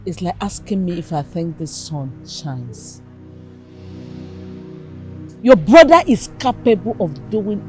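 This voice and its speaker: A performer with a Nigerian accent playing a knowing mother who scorns her son. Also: mid-range voice. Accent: Nigerian, Igbo-speaking. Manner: scornful, lively, mixing Igbo. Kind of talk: film drama acting.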